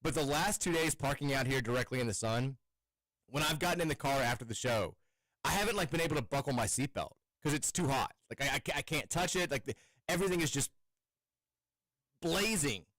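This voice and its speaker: A man's voice: mid-range voice, lively intonation, fairly quick, a bit bright, no echo. A man hosting a sports radio show in a studio, chatting loosely with frequent restarts. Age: adult with kids. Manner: rambling, chatty, with many restarts. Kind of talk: casual sports radio chat. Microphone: studio microphone.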